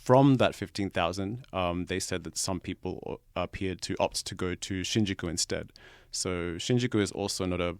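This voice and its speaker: A man's voice: deep voice, dry recording, clean studio sound. A man with an Australian accent, a news reporter reading and discussing stories on a podcast. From Brisbane, Australia.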